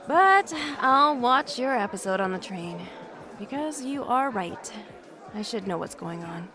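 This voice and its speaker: Independent, high-voiced young woman. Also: very animated, measured pace, crowd noise. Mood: dismissive, fond. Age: young adult. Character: independent, flustered young woman, a late train passenger. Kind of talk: naturalistic audio drama acting.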